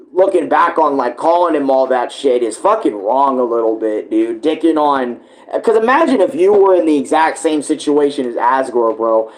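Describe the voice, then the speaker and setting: Man, slightly high-pitched, casual reaction commentary, rambling, blunt, sweary. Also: rough recording. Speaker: reaction streamer.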